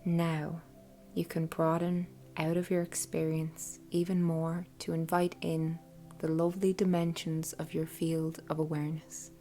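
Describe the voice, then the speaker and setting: A woman leading a guided meditation in a soft, breathy, half-whispered voice with an unhurried, soothing delivery. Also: sits low, little pitch movement. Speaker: host guiding a meditation. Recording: soft music bed behind voice. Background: quiet background music.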